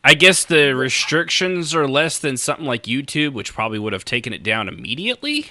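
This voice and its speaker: A man's voice: medium pitch, very animated, brisk, sharp tone, dry recording, clean studio sound. An American man hosting a podcast in casual chat, rambling along with wry, joking asides. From United States. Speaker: podcast host.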